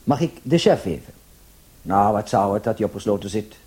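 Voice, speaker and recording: Man playing an excitable bumbling policeman, wildly swooping delivery. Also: fairly low pitch, brisk, natural voice. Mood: fussy, impatient. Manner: rambling, stammering, deferential, then bossy. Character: bumbling, excitable, self-important male policeman, number zero-eight. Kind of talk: Dutch radio play acting.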